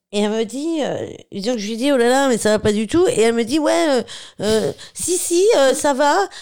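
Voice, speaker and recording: On a very clean recording with a silent background, a woman with a high voice speaks at a moderate pace and lively intonation. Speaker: comedian. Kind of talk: casual chat.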